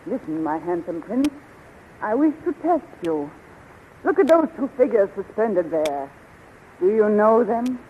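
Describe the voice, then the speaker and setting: A woman's voice: mid-range voice, sing-song, unhurried. A woman playing an imperious, seductive and scheming sorceress queen with a commanding, theatrical delivery in a 1930s radio serial. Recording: muffled, noisy 1930s radio recording.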